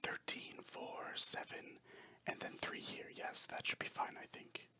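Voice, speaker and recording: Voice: a little slow, pushed and bright, dry recording. A storyteller voicing a small, stooped, chatty old man who mutters and rambles, in a whispered role-play for a story. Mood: muttering, distracted.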